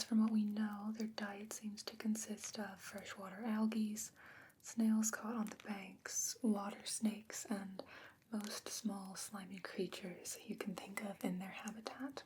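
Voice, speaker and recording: A woman playing a patient, bookish sorceress in a fantasy ASMR roleplay, whispering breathily and explaining in a measured, gently skeptical way. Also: mid-range voice, slight background noise, close to an everyday voice.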